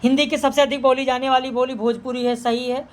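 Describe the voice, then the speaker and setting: High pitched lady teacher going over quiz answers, pretty monotone, brisk. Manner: brisk, steady, matter-of-fact answer checking. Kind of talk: exam practice lesson, reading out questions and answers.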